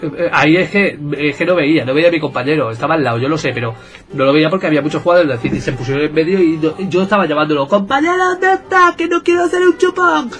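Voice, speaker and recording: A man with a Spain Spanish accent, giving excitable, jokey gameplay commentary and bantering with his viewers. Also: a little high, very fast, faint music behind. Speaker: gaming YouTuber.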